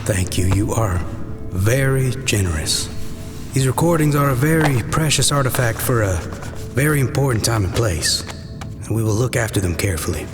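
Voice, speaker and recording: An actor playing a serene, discreet keeper of archives in an audio drama, speaking formally and carefully. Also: male voice, medium pitch, animated, normal speed, close to an everyday voice. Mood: gracious, calm. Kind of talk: fiction podcast character acting. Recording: long hall reverb, music underneath.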